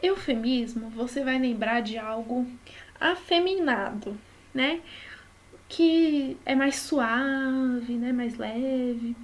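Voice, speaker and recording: A woman with a Brazilian Portuguese accent and a fairly high voice teaches a study lesson slowly, explaining patiently and often checking in with short tag questions.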